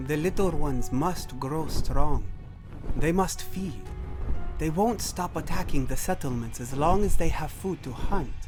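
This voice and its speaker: A man voicing a hungry, menacing ancient winged beast in a dramatic story, intoning terse phrases slowly. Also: a little high, lively intonation, over music, voice pushed up. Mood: hungry, insistent.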